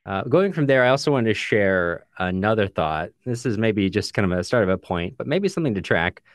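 A man's voice: fairly low pitch, expressive, a little fast, no room sound, clean studio sound. A man co-hosting a book discussion podcast in a casual, chatty way, sometimes reading out listener comments. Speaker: podcast co-host.

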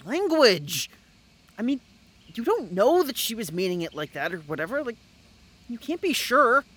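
A man's voice: extremely high pitch, sing-song, moderate pace, fairly bright tone, full character voice. A young man playing a petite, prim, mild-mannered camper, hesitant and placating in naturalistic audio drama dialogue. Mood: scolding, hesitant.

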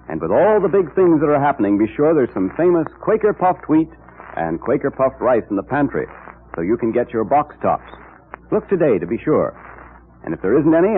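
An American man announcing in an emphatic, dramatic old-time radio style, reading scripted copy like a salesman. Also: mid-range voice. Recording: scratchy, tinny old radio recording.

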